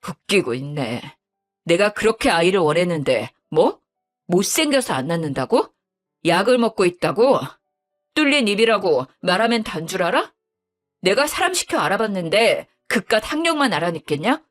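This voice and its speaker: A woman's voice: medium pitch, big pitch swings, moderate pace, close to an everyday voice. A woman voicing an angry young husband who coldly confronts his deceitful wife in an audio drama, with faint music behind. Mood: furious. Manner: cold, cutting and contemptuous.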